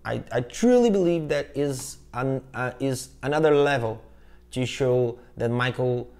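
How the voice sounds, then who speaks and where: A young man from Brazil with a Brazilian Portuguese accent, speaking English as a second language in an earnest, halting way, with frequent fillers and restarts. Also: medium pitch, animated, vocal fry, darkish tone. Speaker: channel host, tribute performer. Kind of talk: scripted direct-to-camera introduction. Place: indoor room with shelves of collectible figures.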